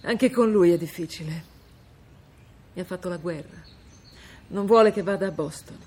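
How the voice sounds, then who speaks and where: A woman's voice: on the low side, normal speed, mellow, a little hiss or hum, lightly acted. An actress playing a frightened, resolute mother. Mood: everyday. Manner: tense, urgent. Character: frightened middle-aged mother under threat, resolute. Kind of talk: TV drama acting.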